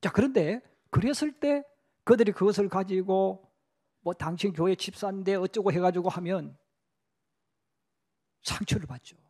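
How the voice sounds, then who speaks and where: Korean pastor guy, middle-aged, fairly high voice, preaching in church, does little quote voices in his stories. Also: unhurried, long pauses, mellow. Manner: storytelling with acted quotes, conversational asides. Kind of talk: sermon. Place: church sanctuary.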